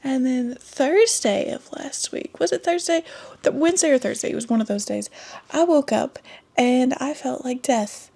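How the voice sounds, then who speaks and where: Stuffed-up lady chatting about books, kinda high pitched and gravelly, rambles and laughs a lot. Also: moderate pace, warm tone. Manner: rambling, self-correcting, laughs often. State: congested from a cold. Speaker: booktube host. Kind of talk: casual book review chat. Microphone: desk microphone.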